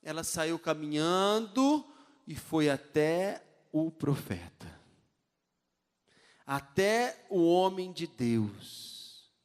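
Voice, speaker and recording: A pastor delivers an emphatic sermon in a high, ringing voice. He keeps throwing questions back at the congregation. The church sanctuary adds a long, hanging reverb to every line.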